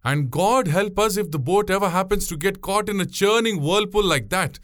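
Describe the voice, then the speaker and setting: A man's voice: high-pitched, moderate pace, a bit bright, voice pushed up. A man voicing a bold boatwoman in a story, unruffled and scornful, with a taunting conversational manner. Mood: ominous chatter.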